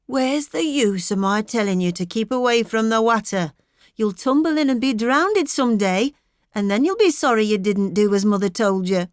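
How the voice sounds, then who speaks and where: Woman narrator as dull-witted mother, fretful, coaxing, complaining, lifted pitch, dry close storybook recording. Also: lively intonation, moderate pace, no echo, close to an everyday voice. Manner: fretful, plaintive scolding.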